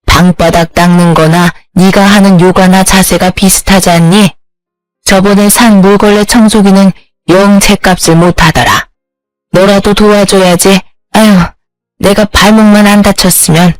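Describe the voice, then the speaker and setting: A woman's voice: mid-range voice, steady tone, normal speed, no echo, soft background music, lightly acted. A woman doing a scolding, sneering mother-in-law. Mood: coaxing. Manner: sarcastic, scolding, belittling. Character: scheming bossy middle-aged mother-in-law.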